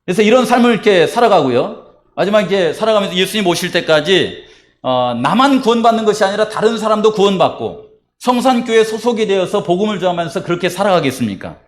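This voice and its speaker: A pastor preaches at a church baptism service, handling both the sermon and the rite in the sanctuary, asking the congregation questions he then answers. He speaks at a quick pace in a high-pitched voice with big pitch swings.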